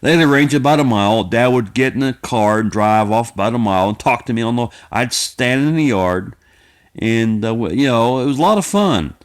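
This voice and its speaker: An American video creator in his 50s speaks in a mid-pitched, clear, resonant voice, animated yet plainspoken. His unscripted, vlog-style delivery rambles in a folksy, homespun way, halting, repeating himself, and circling back over phrases.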